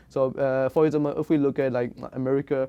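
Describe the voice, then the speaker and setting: A man speaks with a Burmese accent. His pitch is fairly high, and his intonation stays fairly even. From Myanmar, Yangon. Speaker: community initiative founder. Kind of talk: interview. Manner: halting, many fillers and self-corrections.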